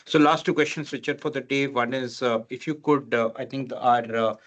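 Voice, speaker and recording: A man moderating a conference call, politely and haltingly reading out questions from analysts. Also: mid-range voice, steady tone.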